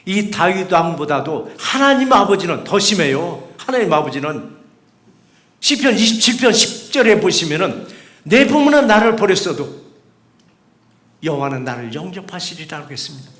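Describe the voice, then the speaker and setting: A man preaching from a church pulpit with a fairly high voice. He drives his points home with repeated rhetorical questions and slips into voices for the people and figures he quotes. The sound rings with the reverb of a large church room. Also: very animated, moderate pace, a bit bright. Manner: acts out quoted voices in dialogue. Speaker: pastor. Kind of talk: sermon. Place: church sanctuary.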